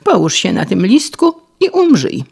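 A woman's voice: medium pitch, huge pitch swings, normal speed, vocal fry, darkish tone, slightly rough, voice pushed up, full character voice. A woman voicing a fat, stingy old male mole who lectures smugly. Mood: smug scolding. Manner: smug and lecturing.

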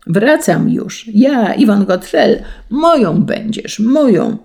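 A narrator voicing a crazed male executioner, shouting wildly and laughing like a madman, in a storybook reading. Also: medium pitch, big pitch swings, takes it slowly, gravelly, pitched above the performer's own voice, exaggerated voice. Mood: raving. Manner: wild shouting with mad laughter. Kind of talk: audiobook character voice.

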